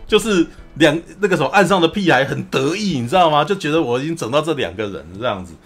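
A man hosting a podcast, recapping a film in a lively, casual storytelling way. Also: on the high side, brisk, breathy edge. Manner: animated storyteller, often acts out quotes. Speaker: podcast host.

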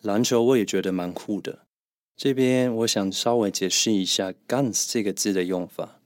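A man co-hosting a podcast as a German teacher, calmly and methodically explaining pronunciation. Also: lowish voice, normal speed, no room sound. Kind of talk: podcast language lesson.

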